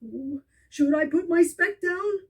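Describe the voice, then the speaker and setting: Woman doing a storybook elephant, male, earnest, protective, firm, high voice. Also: takes it slowly, full character voice. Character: kind, loyal male elephant.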